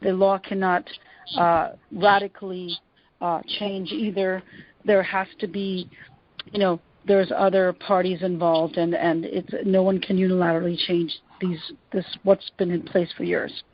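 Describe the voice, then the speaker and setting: A woman's voice: fairly low pitch, level tone. Middle-aged woman attorney on a dull conference line. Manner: halting, measured, repeats and rephrases phrases. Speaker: immigration attorney answering callers. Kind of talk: advisory question-and-answer on a conference call. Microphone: phone conference line.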